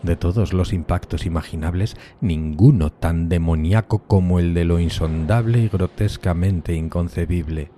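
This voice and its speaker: A man's voice: low voice, moderate pace, hardly any pauses, warm tone, a little hiss or hum, natural voice. A man playing a solitary, tormented outcast, narrating a gothic horror audio drama in a solemn, theatrical, literary manner. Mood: awed, horrified.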